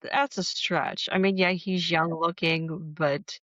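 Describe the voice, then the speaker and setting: A woman's voice: fairly low pitch, fairly even intonation, slow pace, a bit bright, no echo. A woman hosting a podcast, casually recapping a soap opera in a frank, chatty way with plenty of fillers. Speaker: podcast host. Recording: dull lo-fi sound.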